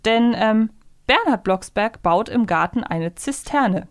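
A woman's voice: a little high, expressive, slow pace, dry recording, studio quality. A woman co-hosting a podcast in casual review chat, analytical and thinking aloud as she goes. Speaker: podcast co-host. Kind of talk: casual review chat about audio dramas.

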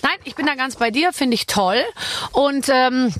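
A woman's voice: sits high, normal speed, fairly bright tone, dry recording. A middle-aged woman hosting a podcast in casual chat, playful and giggly, going sing-song when she reads aloud. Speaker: podcast host.

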